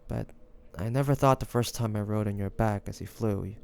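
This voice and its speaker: A man playing a devoted young lover in an intimate romantic fantasy audio roleplay, speaking softly and haltingly with great affection. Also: fairly low pitch, gravelly, smooth. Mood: gentle, concerned. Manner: soft, hesitant, affectionate, halting phrases.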